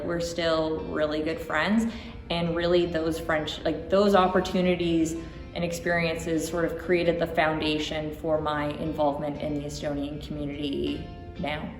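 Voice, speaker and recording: Woman, 30s, low-ish voice, reflective, echoey hall, faint music behind. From Toronto, Canada. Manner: reflective, with frequent ums and likes. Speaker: interview guest. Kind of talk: conversational interview answers.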